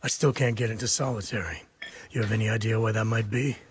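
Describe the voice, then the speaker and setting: An actor playing a cold, mocking, volatile convict gang leader in a video game, raspy and threatening. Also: male voice, on the low side, fairly even intonation, fast, a little hiss or hum, natural voice. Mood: mocking menace. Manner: taunting, threatening. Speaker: villain. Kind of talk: dramatic game cutscene acting.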